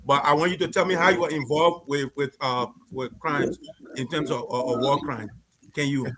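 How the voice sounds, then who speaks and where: A man's voice: a little high, steady tone, moderate pace, a crowd in the background. A man from Liberia with a Liberian English accent, a radio show host who presses his guest for explanations again and again. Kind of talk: live radio call-out show.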